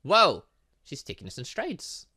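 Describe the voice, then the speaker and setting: A gaming channel host with a voice on the high side does an unhurried let's play of a visual novel. He reads aloud and reacts with animated exclamations as he goes.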